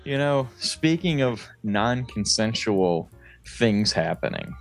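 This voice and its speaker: A man co-hosting a comedy podcast, telling casual, profane anecdotes in a chatty, animated way. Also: lowish voice, slow pace, faint music behind. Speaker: podcast co-host. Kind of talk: casual comic storytelling chat.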